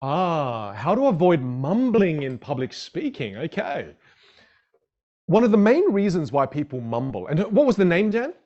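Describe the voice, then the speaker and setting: A man's voice: on the high side, sing-song, unhurried, lo-fi sound. A man whose first language is a Chinese dialect teaches public speaking in a live online masterclass, upbeat and greeting viewers in the chat.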